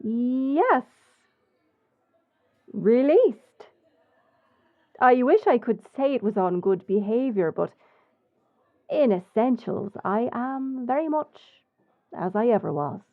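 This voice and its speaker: A woman with an Irish accent playing a bold, sly smuggler captain in an audio drama, composed and cheeky in a measured way. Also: on the high side, big pitch swings, no echo, phone-quality sound, heavily acted. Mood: wry, defiant. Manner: measured, deliberate. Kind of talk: audio roleplay acting with story narration.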